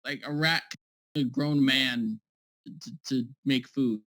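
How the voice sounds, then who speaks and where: A man's voice: medium pitch, steady tone, takes it slowly, a bit bright, no echo. A man co-hosting a casual podcast over a call, rambling and joking, often restarting and apologizing. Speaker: podcast co-host.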